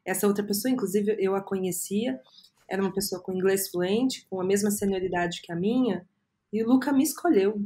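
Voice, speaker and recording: A woman in her thirties with a Brazilian Portuguese accent, a podcast guest telling her career story earnestly and often filling pauses with "é". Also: medium pitch, warm tone. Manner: earnest, storytelling, frequent "é" fillers. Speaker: guest, agency co-founder. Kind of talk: reflective podcast interview.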